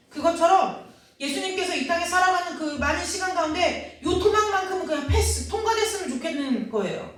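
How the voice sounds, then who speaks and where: A woman with a high voice gives an earnest sermon, turning questions to the congregation. She sounds far from the microphone, and the church around her rings with heavy echo. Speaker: preacher. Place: church sanctuary. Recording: very echoey, from far off.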